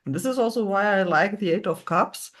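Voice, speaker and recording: A woman's voice: mid-range voice, brisk. Czech-born woman hosting a chatty interview, lots of uh and yeah. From Czech Republic. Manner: frequent fillers and agreeing "yeah"s. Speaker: host. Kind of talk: casual interview conversation.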